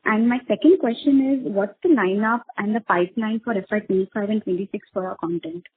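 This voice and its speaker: A woman asks questions as a caller on a conference call. Her voice is medium in pitch and somewhat husky, heard through a muffled, narrow phone line. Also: a little fast. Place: telephone call.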